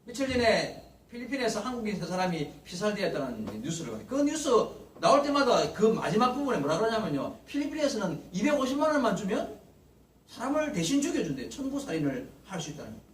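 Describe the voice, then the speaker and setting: Animated male pastor in a roomy church. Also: high voice, quick pace. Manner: animated preaching, acting out Bible figures' lines. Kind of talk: Sunday morning sermon. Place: church sanctuary. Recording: roomy church echo, mic at a distance, faint hiss.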